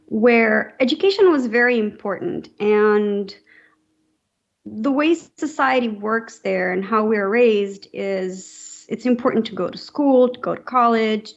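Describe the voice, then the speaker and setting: A woman's voice: medium pitch, lo-fi sound. A young adult woman from Romania, a podcast guest talking earnestly and thoughtfully, with frequent fillers. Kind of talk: casual interview talk.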